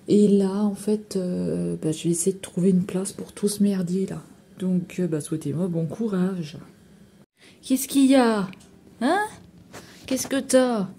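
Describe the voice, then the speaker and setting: Chatty woman with a mellow voice. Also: fairly low pitch, slight background noise. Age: 30s. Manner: chatty and rambling, full of fillers and slang. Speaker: vlogger. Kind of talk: casual home vlog. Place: home kitchen.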